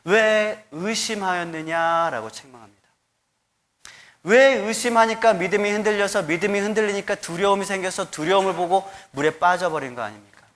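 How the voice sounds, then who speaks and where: A man in his thirties, a pastor preaching a sermon with animated storytelling. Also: sits high, brisk. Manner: animated storytelling, acts out quoted voices.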